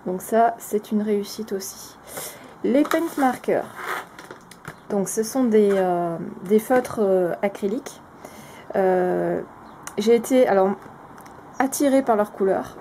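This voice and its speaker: A woman's voice: medium pitch, slow, long pauses, noisy background. A woman casually reviewing craft products on camera, speaking frankly with lots of hesitant filler sounds and restarts. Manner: frank, plainly spoken opinions.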